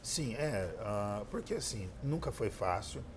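A man's voice: on the low side, animated, a little slow, a little hiss or hum. A man in his thirties with a Brazilian accent, a guest answering interview questions in an earnest storytelling way. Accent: Brazilian Portuguese. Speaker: guest entrepreneur and speaker. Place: pink decorated studio set, indoors.

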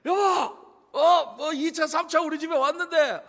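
A man acting out a drunk, rowdy king who loudly barks orders, heard with long church reverb. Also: very high voice, steady tone, measured pace, voice pushed up. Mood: drunk bossy. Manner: loud slurring demands.

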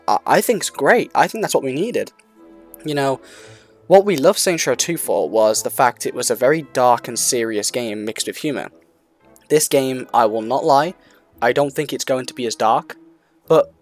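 Rambling man commenting over music. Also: mid-range voice. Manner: rambling, hesitant, repeats himself. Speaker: gaming video commentator. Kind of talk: unscripted casual commentary on a video game.

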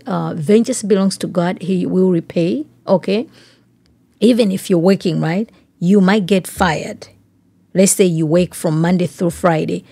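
A woman's voice: fairly low pitch, creaky, mellow, husky, no echo. A woman hosting a podcast, reading news aloud and commenting on it, putting questions straight to the listener. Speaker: podcast host.

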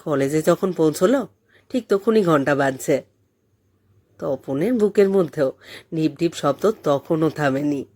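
A woman reading a story as an audiobook narrator, in an expressive scripted style. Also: deep voice, unhurried, pauses often.

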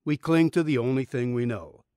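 A middle-aged man reading a spiritual essay as an audiobook narrator, earnest and deliberate, close on a studio microphone in a small booth. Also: mid-range voice, mellow, smooth, no room sound. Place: small dim recording booth. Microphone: studio condenser microphone, close.

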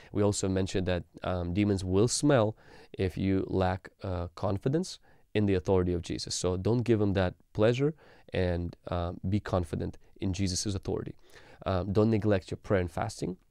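A man in his thirties, a pastor, teaching calmly on a livestream into a studio mic in a small room, with frequent ums. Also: sits low, clear, resonant tone, no room sound. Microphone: studio mic on boom arm.

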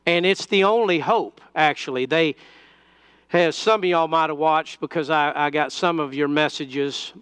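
A man's voice: a little high, moderate pace, a bit bright, smooth, no room sound. A male pastor preaching a sermon at a pulpit microphone, talking in a conversational way with frequent fillers and restarts.

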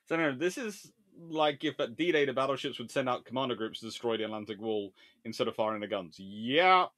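A male history lecturer on a livestream, talking in a lively, swooping voice that jumps high and drops low. He is sarcastic and wanders into asides, but keeps returning to his lesson. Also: fairly quick. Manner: animated, sarcastic and digressive.

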